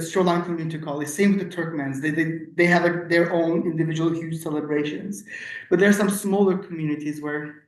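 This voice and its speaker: Chatty Turkish-born woman in echoey room. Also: deep voice. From Turkey. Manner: chatty, laughing asides, frequent fillers. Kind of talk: casual meeting discussion. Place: council meeting room. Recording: echoey meeting room from far off.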